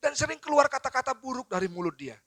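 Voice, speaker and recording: Guy preaching, high bright voice, dry close sound, storytelling and asking the crowd stuff. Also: fast talker, no room sound. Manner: lively storytelling with acted quotes, addresses audience directly. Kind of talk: seminar sermon.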